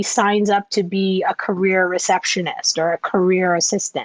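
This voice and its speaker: A woman with a Montreal accent at a moderate pace, against a quiet background. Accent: English-speaking Montreal Canadian. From Quebec, Canada (Montreal). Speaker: music supervisor. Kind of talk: interview.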